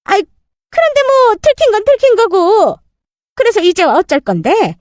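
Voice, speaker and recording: A scheming middle-aged stepmother, played by a woman storyteller, with a piercing high voice that leaps up and down. She sounds brazen and mocking, a con artist from a spoken drama story, close and dry. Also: wildly swooping pitch, normal speed, dry recording, heavily acted. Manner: brazen, mocking, then shrill pleading.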